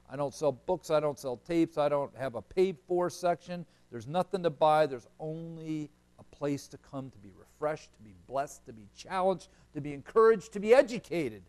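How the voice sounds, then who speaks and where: A middle-aged American man preaching to camera as a Christian broadcast host, in emphatic, deliberate phrases with pauses. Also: on the high side, darkish tone, dry recording. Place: furnished room indoors.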